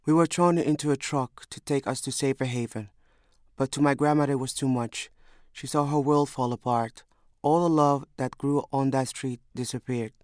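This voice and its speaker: A young man from Somalia narrates his memoir. His voice sits at a middle pitch, and his delivery is measured and reflective. The sound is dry, with little room around it. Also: steady tone, no room sound. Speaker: storyteller. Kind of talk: scripted first-person memoir narration.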